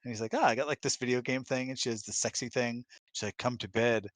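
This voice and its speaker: A man talking casually in a question-and-answer chat, explaining things in a thoughtful, halting, emphatic way. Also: mid-range voice, steady tone, a bit bright, no echo. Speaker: husband co-hosting a live Q&A. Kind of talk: casual conversational advice chat. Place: close-miked online voice chat, dry.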